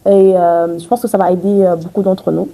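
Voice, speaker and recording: A woman's voice: fairly low pitch, level tone, a little fast, dark tone, rough recording. A young woman hosting an interview, enthusiastic and affirming, chatty with her guest. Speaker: host. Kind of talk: casual interview talk.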